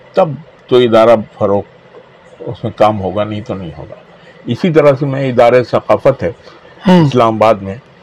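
Noticeable background noise surrounds a man whose medium-pitched voice has lively intonation and big swings in loudness. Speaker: writer and researcher. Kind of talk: interview.

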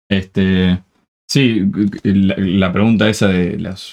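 In a flat, monotone delivery, the man speaks at a fairly low pitch. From Argentina, Buenos Aires. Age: 20s. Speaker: baritone singer, music student. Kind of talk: casual chat.

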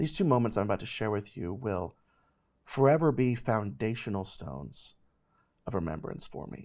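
On a very clean recording with a silent background, a man with a fairly low pitch and vocal fry swings his pitch very widely. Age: 30s. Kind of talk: ministry talk show, testimony.

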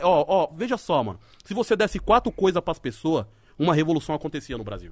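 Over a very clean recording with a silent background, a man speaks very fast at a fairly high pitch, with vocal fry and very wide pitch swings. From São Paulo periphery, Brazil. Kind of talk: casual chat. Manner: animated, slangy, passionate.

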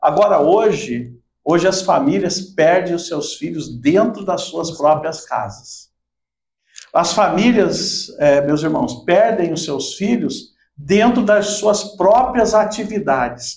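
In a room with audible echo, a man speaks in a high voice at a very slow pace with lively intonation. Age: 50s. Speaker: pastor. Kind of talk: religious talk show. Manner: halting, with repeated words.

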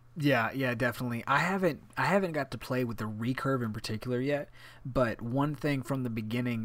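A man's medium-pitched, unremarkable speaking voice with an American accent, ordinary pitch variation and a moderate pace, in a very clean recording with a silent background. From Texas. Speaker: video game podcast co-host. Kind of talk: casual chat.

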